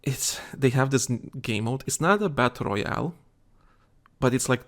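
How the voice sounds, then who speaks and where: A man's voice: medium pitch, animated, normal speed, a bit bright. A tired man co-hosting a casual gaming chat show, rambling with many restarts and fillers. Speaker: podcast co-host.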